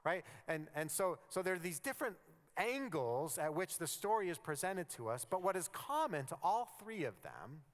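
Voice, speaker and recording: Animated preacher in a reverberant church. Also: male voice, high voice, normal speed. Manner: animated, conversational preaching that drops to near-whispers for emphasis. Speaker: pastor. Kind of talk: sermon. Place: church sanctuary. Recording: long reverb of a church hall.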